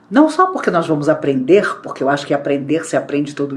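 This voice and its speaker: With audible room echo, a woman with a very deep, low pitch speaks at a moderate pace and ordinary pitch variation. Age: 60s. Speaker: spiritist lecturer. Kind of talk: lecture.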